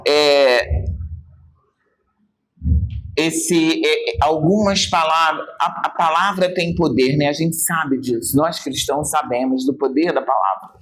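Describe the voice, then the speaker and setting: Woman, Brazilian Portuguese accent, Bible study teacher, emphatic, expressive, talks straight to the group. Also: sits low. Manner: acts out quoted remarks in changed voices. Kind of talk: church Bible study lesson.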